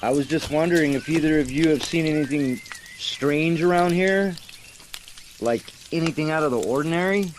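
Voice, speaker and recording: A man's voice: on the high side, moderate pace, a little hiss or hum, close to an everyday voice. A man playing a polite, hesitant camper in an amateur drama, apologetic as he seeks help. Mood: uneasy.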